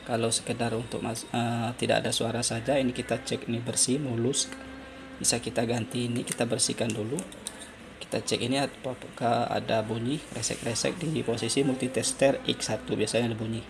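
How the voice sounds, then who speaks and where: A man giving an informal hands-on phone repair tutorial as host, halting and pausing often as he explains. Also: medium pitch, little pitch movement. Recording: clearly noisy amateur recording.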